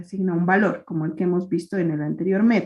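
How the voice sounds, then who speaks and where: Somewhat breathy, a woman speaks in a medium pitch. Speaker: university lecturer. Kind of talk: lecture.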